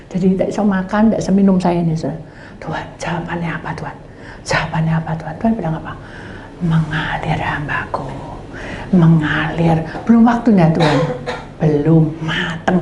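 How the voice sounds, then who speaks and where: A middle-aged woman pastor, telling a sermon story and acting out each side of the conversation, sometimes dropping to a whisper. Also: lowish voice. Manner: animated storytelling, acting out both sides of conversations, drops to whispers. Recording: echoey room with faint background noise.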